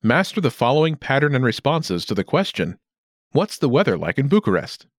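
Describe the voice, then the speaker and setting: A man narrating a scripted language lesson as an instructor, enunciating clearly and deliberately. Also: mid-range voice, big pitch swings, dry recording, clean studio sound.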